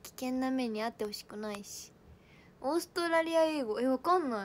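A woman's voice: high-pitched, expressive, brisk, a little hiss or hum. A young woman chatting casually on a livestream, bubbly and giggly, reading out viewer comments. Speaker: idol livestream host.

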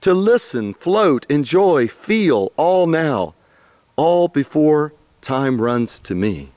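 A man reciting his own poem dramatically and fervently, halting phrase by phrase. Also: a little high, big pitch swings, darkish tone, no room sound.

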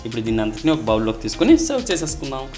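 A man's voice: mid-range voice, very animated, very fast, a little mellow, faint music behind. A man narrating a cooking recipe step by step, addressing viewers directly in an instructional way. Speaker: host of a cooking channel.

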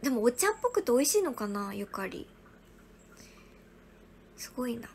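High-voiced young woman, soft and whispery. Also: big pitch swings, moderate pace, slightly rough. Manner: soft, often whispery, thanking viewers one by one. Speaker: livestream host. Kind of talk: casual livestream chat reading viewer gifts.

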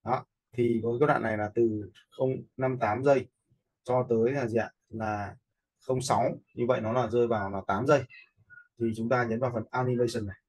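A man giving a casual, step-by-step software tutorial, informally checking in with listeners as he goes. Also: medium pitch, steady tone, a little fast, slightly rough, rough recording. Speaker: video editing instructor. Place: indoors, voice-over for a screen recording.

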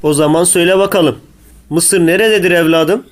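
A man's voice: a little high, fairly quick, lightly acted. A man voicing a kindly, curious school teacher in a comic cartoon, asking leading questions fondly. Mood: teaching. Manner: addresses pupils fondly, asks leading questions. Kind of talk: scripted comic cartoon dialogue.

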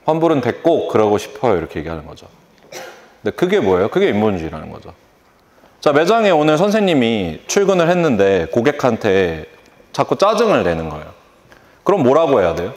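A man's voice: mid-range voice, huge pitch swings, a little fast. Man lecturing in a reverberant hall. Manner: storytelling with acted-out dialogue and questions to the audience. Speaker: hair salon owner and lecturer. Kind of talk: public lecture to a live audience.

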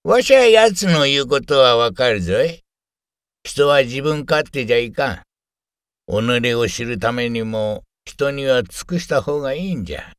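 A man's voice: mid-range voice, expressive, a little slow, a bit bright, clean tone, dry recording, clean studio sound. A man voicing a kindly, wise old grandfather in a family drama, admonishing in folksy old-man speech. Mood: gently admonishing.

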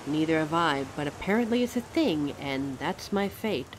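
A woman's voice: deep voice, lively intonation, a little slow, background noise. A woman playing an anxious, sarcastic werewolf nearing thirty in an audio drama. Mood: downcast.

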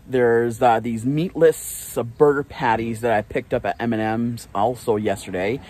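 Filming himself with his phone at arm's length, a man in his thirties records a casual daily vlog, both outside near a parking lot and in an armchair indoors. His mid-range voice is a little mellow, with fairly even intonation and a moderate pace. He rambles and corrects himself with small laughs, against slight background noise.

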